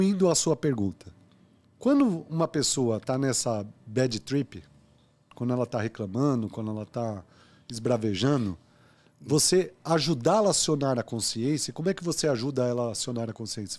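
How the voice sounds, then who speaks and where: A man from Brazil, a consultant guest in an interview, explaining ideas calmly with analogies. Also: mid-range voice. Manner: calm, explanatory, uses analogies.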